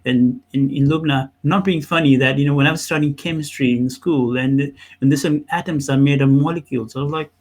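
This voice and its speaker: A man from Nepal speaking as an accountant and interview guest, telling his story conversationally in a halting way with repeated words. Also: mid-range voice, steady tone, darkish tone.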